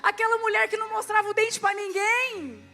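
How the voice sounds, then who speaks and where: A Brazilian woman pastor preaching at a church service, lively, swinging between loud and hushed, and acting out prayers and dialogue. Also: very high voice, fairly quick. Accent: Brazilian Portuguese. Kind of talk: sermon.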